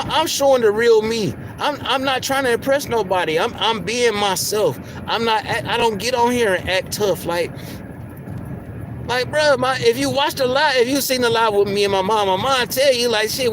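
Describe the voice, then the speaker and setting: A man with a soft, squeaky voice ranting heatedly on a livestream, swearing a lot and stumbling over repeated words. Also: background noise. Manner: heated, profane, repeats words when worked up. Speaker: livestream host. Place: in a car.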